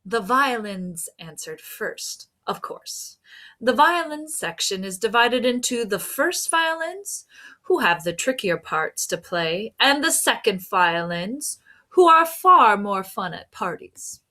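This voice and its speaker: Bright-voiced young woman reading a storybook. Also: a little high, very animated. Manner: deliberate, emphatic. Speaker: teacher reading aloud. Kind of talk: expressive storybook narration. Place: small room at home.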